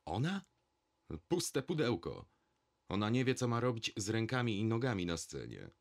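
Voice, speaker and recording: Man doing a brash cynical theatre director, loud, coarse, blustering, low voice, storybook reading. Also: sing-song, normal speed. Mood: scornful.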